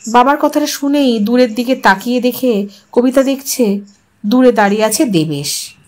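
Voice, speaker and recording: Higher-voiced woman narrating a story. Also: moderate pace. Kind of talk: scripted dramatic story narration.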